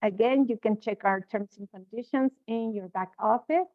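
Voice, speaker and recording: A woman hosting a live webinar, going through sales promotions quickly with frequent filler sounds over a video call. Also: fairly high pitch, no room sound. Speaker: host presenting promotions. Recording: tinny, dry call audio.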